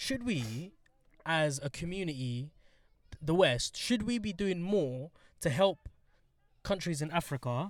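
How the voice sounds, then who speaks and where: In a British accent, a man with a high pitch and lively intonation talks at a fairly slow pace with long, frequent pauses, on a very clean recording with a silent background. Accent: British urban. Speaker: podcast host. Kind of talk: casual chat.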